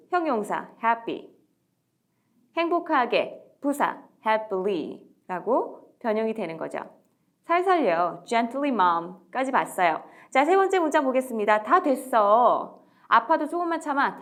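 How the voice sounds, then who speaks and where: Slow, lively Korean-speaking woman teacher. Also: on the high side. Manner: lively, drawn-out modelling of English phrases. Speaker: English teacher for parents. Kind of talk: slow, deliberate language lesson.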